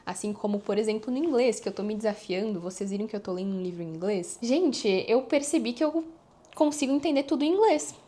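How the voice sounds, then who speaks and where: A young woman vlogging, chatting to her viewers in a lively, animated way. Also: fairly high pitch, fast talker. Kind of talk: casual chat to camera.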